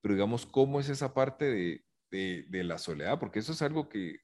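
Man, fairly low voice, interviewer, rambling questions, many fillers. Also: animated, brisk, darkish tone. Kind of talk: conversational interview.

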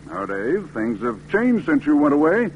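A man's voice: a little high, huge pitch swings, normal speed, phone-quality sound, slight background noise. A man playing a kindly older small-town businessman in a 1940s radio drama, with a fatherly, folksy way of talking. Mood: friendly.

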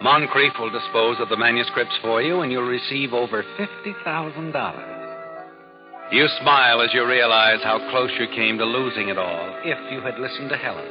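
A man's voice: mid-range voice, natural voice. Dull vintage radio sound, music behind, male actor as sinister omniscient narrator, knowing, taunting, second-person crime storytelling. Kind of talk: 1940s radio drama narration.

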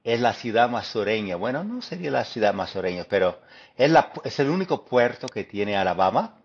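A man from Detroit with an American English accent, a guest speaking Spanish as a second language, pausing and restarting often as he recounts. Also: fairly low pitch, very animated, husky, dull audio. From Detroit, United States. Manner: thoughtful, halting, many fillers and restarts. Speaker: guest historian. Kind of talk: interview conversation.

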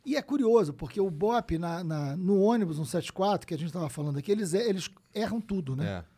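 A man, telling stories as a guest in a casual conversation, animated and full of swearing. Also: high voice, fast talker. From Brazil. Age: 50s. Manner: animated storyteller, frequent swearing and "né?" tags.

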